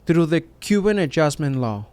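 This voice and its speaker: A man's voice: fairly high pitch, big pitch swings, moderate pace, darkish tone, no echo. A man voicing a citizenship applicant who gives short, plain, careful answers to an officer in a scripted practice dialogue.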